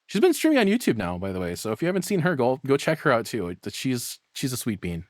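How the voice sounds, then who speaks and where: A man streams his reactions in an ordinary mid-range voice with a very dry sound. He talks casually and excitably, wandering between thoughts and swearing freely as he goes. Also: mid-range voice, fast talker, no echo. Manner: rambling, excitable, casually profane. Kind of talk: casual live reaction commentary.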